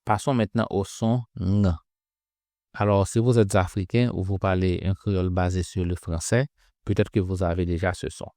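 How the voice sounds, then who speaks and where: A man teaching pronunciation in a slow instructional lesson, drilling sounds by repeating syllables. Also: low-pitched, fairly even intonation, warm tone, no echo, studio quality.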